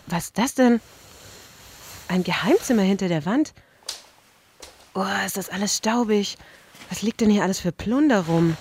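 A woman's voice: mid-range voice, a little mellow, slight background noise. A woman voicing a sulky teenage girl who loves fantasy novels, in a comic audio play. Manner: sulky and exclamatory.

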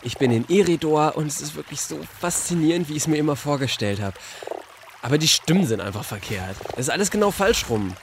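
A man's voice: on the high side, lively intonation, fast, a little hiss or hum. A man voicing a bookish teenage girl who has ended up with a man's voice, stammering and flustered, in a comic audio play. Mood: pleading.

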